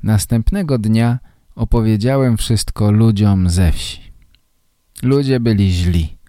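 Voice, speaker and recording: A man reading a first-person story aloud clearly and deliberately for language learners. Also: fairly low pitch, dark tone, dry recording, studio quality.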